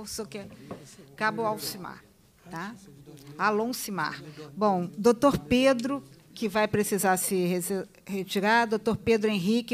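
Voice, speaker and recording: A woman chairing a legislative hearing, brisk with informal asides. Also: medium pitch. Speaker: committee chair, state deputy.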